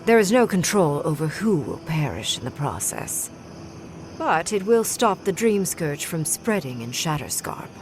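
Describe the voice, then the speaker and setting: A pragmatic female scholar in a video game. Her voice sits fairly low and moves freely in pitch while she explains things with clinical, formal calm. Music plays underneath. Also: a little slow. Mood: clinical, explaining. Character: coolly rational female scholar weighing lives pragmatically.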